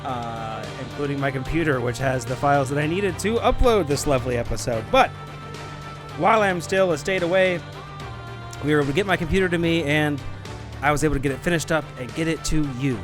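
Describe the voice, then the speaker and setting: A man's voice: a little high, fairly quick. A man hosting a podcast, giving a casual, informal update to listeners with music playing behind him. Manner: chatty, informal. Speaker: podcast host. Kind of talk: casual spoken announcement to listeners.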